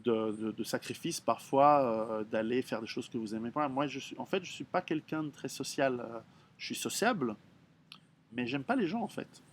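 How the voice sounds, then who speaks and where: A man's voice: mid-range voice, lively intonation, moderate pace, slight background noise. A middle-aged man, an author talking through his readers' questions in a frank, blunt way, with many halts and restarts. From Switzerland. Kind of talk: casual spoken monologue.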